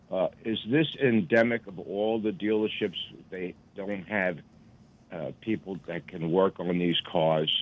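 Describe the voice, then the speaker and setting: A man calling in to a radio show who tells his story in a rambling, halting way. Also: low-pitched. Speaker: caller. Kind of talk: phone-in chat. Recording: tinny phone line.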